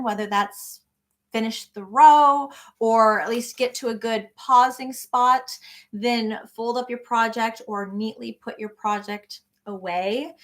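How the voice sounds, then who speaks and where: This crochet livestream host has a fairly high, fairly bright voice. In a casual chat, she reads comments aloud and encourages viewers, addressing each one by name.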